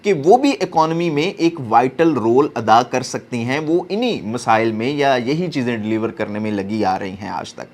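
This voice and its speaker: Male commentator, Pakistani accent, medium pitch, earnest explanatory delivery with occasional English terms. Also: expressive, moderate pace, hardly any pauses. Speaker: political commentator.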